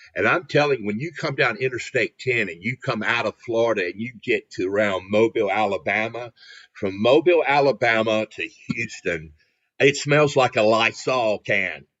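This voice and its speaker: With a strong Southern US accent, a man talks with ordinary pitch variation. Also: medium pitch for a man. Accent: strong Southern drawl. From US South, eastern North Carolina. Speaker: political activist and author. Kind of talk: casual chat. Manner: animated.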